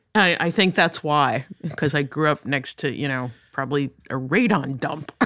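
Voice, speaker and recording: At a moderate pace, the speaker uses an American accent with ordinary pitch variation. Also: woman, very deep, low pitch for a woman. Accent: slight New Jersey, mostly hidden. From New Jersey (Edison). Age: 40s. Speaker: singer-songwriter and actor. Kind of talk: casual interview chat.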